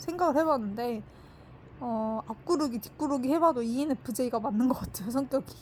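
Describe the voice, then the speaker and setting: A soft-spoken woman with a high pitch talks at a fairly quick pace with ordinary pitch variation. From provincial South Korea. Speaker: vlogger. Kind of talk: casual monologue. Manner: trying to speak softly; halting, self-correcting.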